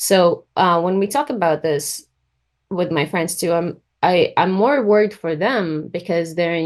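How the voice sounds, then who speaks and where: A woman with an Israeli accent and a fairly low pitch. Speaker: interviewee. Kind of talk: interview. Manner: halting, many fillers.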